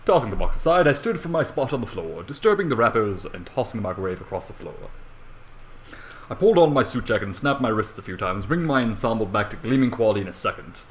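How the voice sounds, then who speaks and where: Young male amateur story reader, very lively pitch swings, sweary and self-mocking, casual bedroom recording with faint background noise. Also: fast. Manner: irreverent, sweary, self-deprecating. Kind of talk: casual fan fiction reading with rambling asides. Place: bedroom at home.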